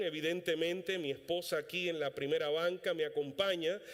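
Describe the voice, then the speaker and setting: A man speaks in an animated tone. His pace is fairly slow. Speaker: pastor. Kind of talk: sermon. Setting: church.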